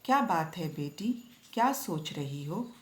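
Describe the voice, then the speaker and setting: A woman teacher voicing a loving mother who consoles her daughter in a storybook reading, speaking gently and affectionately. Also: on the low side, expressive, measured pace. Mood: tender, coaxing. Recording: echoey room.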